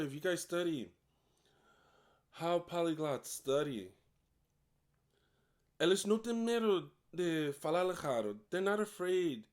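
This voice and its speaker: Native English-speaking man teaching in Portuguese with an English accent, a bit high-pitched, direct and upbeat, repeats every point in both languages. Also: a little mellow. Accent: English speaker learning Portuguese. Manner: encouraging, direct. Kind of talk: casual bilingual lesson.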